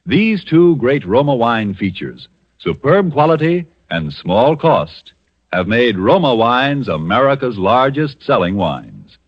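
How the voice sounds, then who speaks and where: A man announcing in a 1940s radio show, reading a smooth, persuasive sponsor pitch. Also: very animated, slow pace. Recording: dull old radio broadcast.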